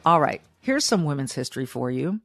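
A woman in her fifties with a low voice, hosting an opinion monologue and repeating phrases for emphasis. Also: sing-song, fairly quick, soft background music. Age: 50s. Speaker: podcast host.

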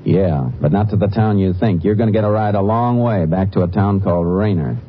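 Deep-voiced, terse Texas Ranger played by a man. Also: brisk, heavy background noise, close to an everyday voice. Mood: dry, firm. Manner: terse, dry, commanding. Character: firm, unflappable male Texas Ranger investigator. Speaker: lead character and narrator. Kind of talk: 1950s radio western crime acting. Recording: dull old radio recording with music.

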